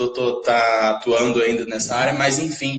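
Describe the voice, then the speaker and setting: Somewhat breathy male speech at a moderate pace. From Ceará, northeastern Brazil. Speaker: criminal lawyer. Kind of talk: live stream Q&A. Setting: video call from workplace.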